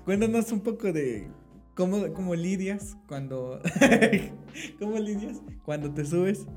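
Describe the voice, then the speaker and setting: A Mexican man hosting a casual interview podcast, relaxed, slangy and laughing along. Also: high voice, slow, soft background music. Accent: Mexican Spanish. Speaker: podcast host.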